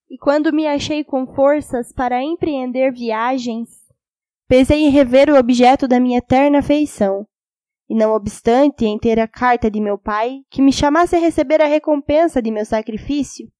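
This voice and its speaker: Woman, fairly high voice, audiobook narration, solemn dramatic delivery, dry close sound. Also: warm tone, no room sound.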